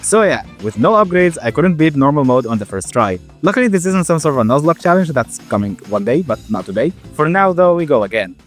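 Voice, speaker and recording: Stuttering young gamer, slightly high voice. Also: male voice, big pitch swings, a little fast, hardly any pauses, soft background music. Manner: casual, swears, reacts loudly. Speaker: gaming YouTuber. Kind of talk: game commentary with voice-over narration.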